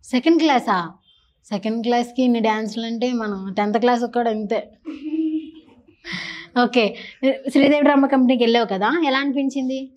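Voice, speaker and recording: A woman's voice: a little high, normal speed, long pauses, a little mellow, muffled recording. A woman interviewing children in a casual, teasing and chatty way, holding a handheld mic. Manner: playful, teasing, chatty with kids.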